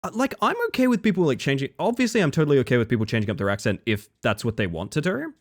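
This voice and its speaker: Chatty Australian man with lively pitch. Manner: chatty, reads chat aloud, swears casually, drawn-out musing. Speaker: streamer. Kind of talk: casual live-stream chat while gaming.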